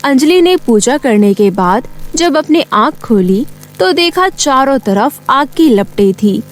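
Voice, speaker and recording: A woman's voice: sits high, animated, a little slow. A woman reading scripted narration for a cartoon moral tale, in a storyteller's style. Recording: music behind the voice.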